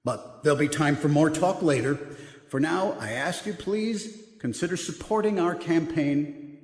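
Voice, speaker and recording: A man playing a smooth, self-important senator in an audio drama, speaking in a pompous, formal politician's manner. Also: a little high, a little slow, lightly acted. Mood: grandstanding. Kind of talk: full-cast audio drama acting, speechmaking. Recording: echoey hall reverb, music behind.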